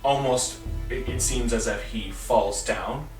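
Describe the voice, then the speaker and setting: A man narrating a tabletop game as game master, halting as he searches for words. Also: medium pitch, a little mellow. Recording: echoey room, distant mic, background music.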